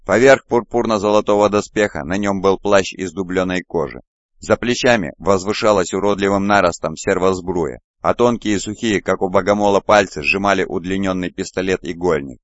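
A man narrating an audiobook in a steady, measured reading. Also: low-pitched, no room sound, lo-fi sound. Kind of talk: scripted narration.

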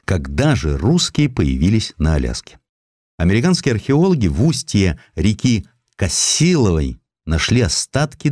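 A man's voice: deep voice, a little mellow, no room sound, studio quality. A man reading historical essays as an audiobook narrator, telling them expressively with wry, theatrical emphasis.

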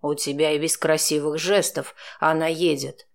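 A woman reader voicing a calm, blunt man who answers with curt irony, in her own low voice. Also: normal speed, vocal fry. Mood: sardonic. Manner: cool, ironic, curt. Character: composed, blunt, sarcastic man.

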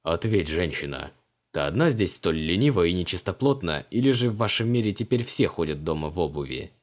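A man's voice: low voice, lively intonation, a little fast. A man voicing an arrogant ancient male Sumerian archmage, haughty and pompous.

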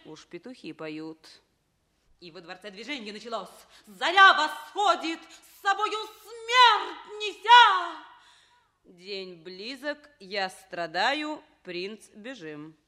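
Bright-voiced, passionate captive princess. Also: female voice, fairly high pitch, sing-song, exaggerated voice. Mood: pleading, fervent. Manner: grand, drawn-out declamation with sudden hushed whispers. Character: passionate, scheming captive princess, lovesick and proud. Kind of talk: theatrical declamatory verse acting, 1960s Russian stage tradition.

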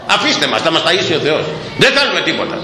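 An older man, a Greek priest, preaching a sermon with fiery shouting bursts and mocking asides. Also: on the high side, very animated, roomy sound, big-room sound, noisy background.

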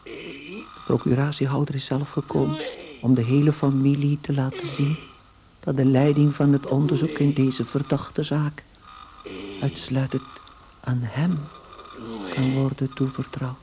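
A man's voice: mid-range voice, little pitch movement, a little slow, vocal fry, pauses often, crowd noise. An actor in a radio play playing an indignant salesman in a sardonic monologue to himself.

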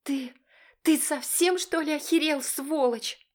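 A woman voicing a furious, hysterical wife who shrieks accusations in a raised, shrill voice. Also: slow. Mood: shrieking.

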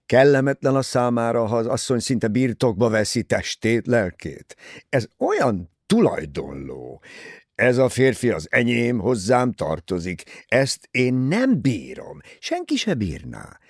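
A man reading aloud, voicing a nervous, agitated young husband who pleads and protests in excited outbursts. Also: medium pitch, dry recording, studio quality.

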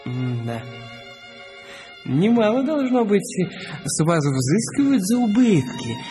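A woman's voice: medium pitch, very animated, takes it slowly, dark tone, faint music behind. An actress playing a polite, slightly flustered woman psychiatrist in a radio drama, formal and questioning. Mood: calm, probing.

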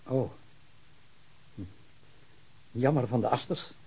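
An actor playing a meek, simple murder suspect in a radio drama, speaking haltingly and plainly. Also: male voice, mid-range voice. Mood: puzzled, resigned. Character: meek, slow-witted male murder suspect fretting over his animals. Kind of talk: naturalistic radio drama acting. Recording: muffled, clearly hissy drama recording.

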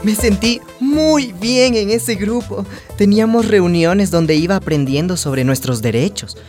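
A woman's voice: medium pitch, unhurried, darkish tone, natural voice. An actress playing a hopeful young trans woman from a small town, narrating her story earnestly in a radio drama. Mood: reflective, hopeful. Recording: music bed behind the voice.

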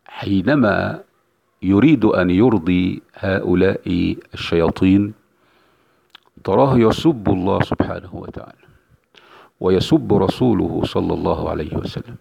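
A man's voice: deep voice, normal speed, creaky, long pauses, darkish tone, slightly rough. A male Islamic preacher giving an emphatic religious lecture, repeating key phrases for weight. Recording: dull lo-fi recording.

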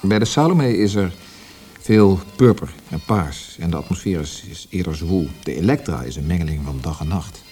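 An actor playing a proud, fretful poet in a radio drama, speaking in an earnest, precise, grumbling way. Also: male voice, deep voice, expressive, normal speed, dark tone, soft background music. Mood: firmly objecting. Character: proud, fretful, melancholy male poet and librettist.

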